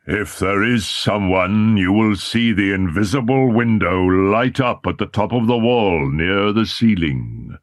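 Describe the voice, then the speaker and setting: A man voicing a jealous, cruel masked man in a storybook reading, speaking low, slow and murmuring. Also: no echo, studio quality, heavily acted.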